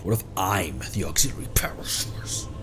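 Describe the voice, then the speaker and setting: A man's voice: sits low, animated, normal speed, music in the background. A man doing casual, playful gameplay livestream commentary, goofy, sweary and given to silly little noises. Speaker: streamer playing a video game. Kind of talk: casual gameplay livestream commentary, reading game text aloud.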